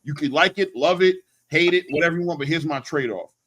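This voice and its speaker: A man's voice: a little high, a little fast, a bit bright. A man hosting a boxing channel, talking casually and emphatically in slang, often repeating words for emphasis. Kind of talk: animated casual sports talk and opinion.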